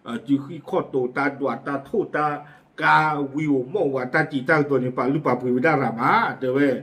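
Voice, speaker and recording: A man's voice: on the high side, moderate pace, fairly bright tone. A man presenting community news in a casual, chatty way, with frequent fillers and asides. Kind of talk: casual spoken news commentary.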